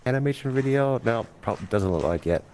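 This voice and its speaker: A man's voice: mid-range voice, expressive, a little fast, a little mellow, a little hiss or hum. A man joking around in casual chat on a stream. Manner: jokey, wisecracking.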